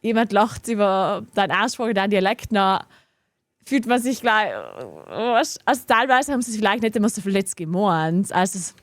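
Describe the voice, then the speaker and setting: Giggling frequently, a young woman with a regional German dialect keeps up relaxed chatter while live-streaming a game from her home office. Her mid-range voice swings widely in pitch at a normal speed, with no echo in the audio.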